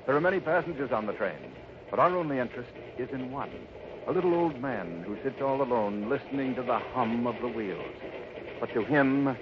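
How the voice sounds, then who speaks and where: A male announcer with a mid-pitched voice, narrating in dramatic, suspenseful 1950s radio fashion. The old recording is muffled and clearly noisy. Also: lively intonation, normal speed. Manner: theatrical, suspenseful.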